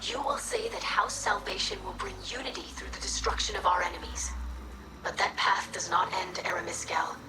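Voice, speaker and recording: A woman playing an earnest young alien scribe in a video game, speaking solemnly and formally in a breathy, creaky rasp. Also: mid-range voice, wildly swooping pitch, normal speed, in a whisper. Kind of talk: video game character acting. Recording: echoing voice with music behind.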